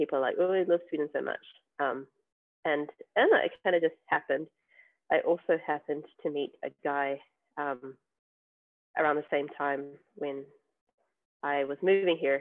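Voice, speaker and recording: A woman's very deep, low voice in a New Zealand accent, at a moderate pace with long, frequent pauses. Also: fairly even intonation. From New Zealand, Auckland. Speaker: software testing engineer and author. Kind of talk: interview.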